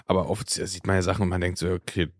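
A man's voice: sits low, monotone, fast, no echo, studio quality. A man co-hosting a podcast, speaking hesitantly with short supportive remarks in a casual conversation. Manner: hesitant, supportive, brief replies. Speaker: podcast co-host.

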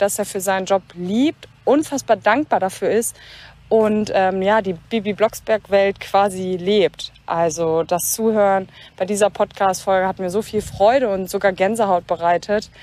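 A woman's voice: mid-range voice, darkish tone. A woman in her twenties, a podcast listener, giving a prepared recorded message. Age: 20s.

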